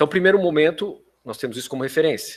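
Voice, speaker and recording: Very fast and full of lively intonation, a man's fairly high voice comes through on a very clean recording with a silent background. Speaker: professor. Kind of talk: lecture. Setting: conference talk with audience. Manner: conversational, frequent fillers.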